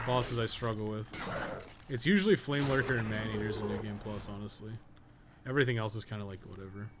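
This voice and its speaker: A man chatting casually on a live game stream, rambling and wry, with loose, profane phrasing. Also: medium pitch. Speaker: live streamer, podcast co-host. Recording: game audio noise behind voice.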